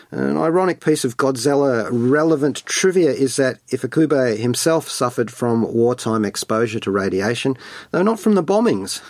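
A man's voice: medium pitch, darkish tone, no room sound. A man hosting a radio show, reading scripted film and music commentary in a playful, wordy, colloquial way.

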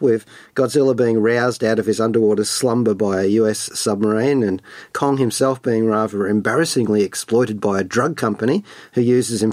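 A man's voice: medium pitch, a little mellow, dry recording. A man hosting a radio show, reading scripted film and music commentary in a playful, wordy, colloquial way.

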